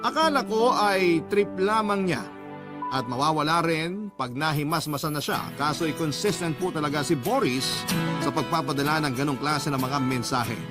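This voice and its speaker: A Filipino-accented man narrates a love letter in the first person, dramatic and confessional. His voice is fairly high for a man, and music plays loudly beneath it. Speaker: radio love-story reader. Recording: loud music bed under voice.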